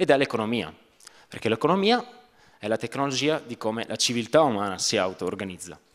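Against a quiet background, a man with lively intonation talks at a fairly quick pace, broken by long, frequent pauses. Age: 30s. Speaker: startup founder; presenter. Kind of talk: pitch presentation. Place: stage. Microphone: handheld.

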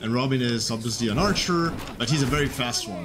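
Over noticeable background noise, a man speaks at a fairly quick pace with an upbeat tone and lively intonation. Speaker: game director. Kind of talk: live gameplay demo stream. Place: home room. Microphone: headset.

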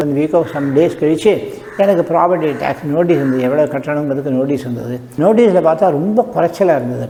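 Noticeable background noise beneath ordinary pitch variation. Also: man. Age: 80s+. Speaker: senior devotional volunteer. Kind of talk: interview answer.

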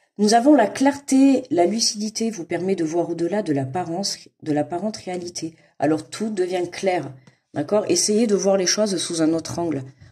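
A woman's dark, mellow voice, fairly low in pitch, with lively intonation at a moderate pace against a quiet background. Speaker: card reader. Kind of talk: astrology card reading commentary. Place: home room.

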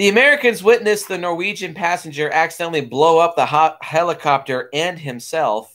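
Speaking at a fairly quick pace with hardly any pauses, a high-pitched man uses lively intonation. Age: 20s. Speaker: movie reviewer. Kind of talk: casual film review chat. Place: home room. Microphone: camera far.

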